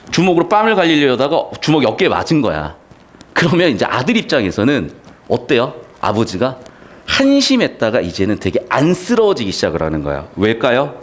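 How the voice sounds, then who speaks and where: A man in his thirties, a literature teacher giving a casual, chatty lecture with slangy asides. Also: fairly high pitch.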